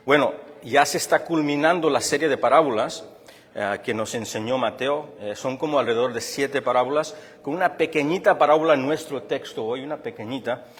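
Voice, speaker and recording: A man's voice: mid-range voice, fairly quick, slightly rough, in a large hall. A man from Chicago preaching a sermon, explaining earnestly and often restarting his phrases. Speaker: pastor.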